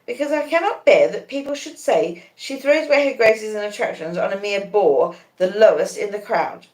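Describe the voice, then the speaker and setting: A woman voicing an earnest, wretched young gentleman who pleads emphatically in a story reading. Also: mid-range voice, lively intonation, normal speed, echoey room, pitched above the performer's own voice, close to an everyday voice, low-quality recording. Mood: agitated, wretched.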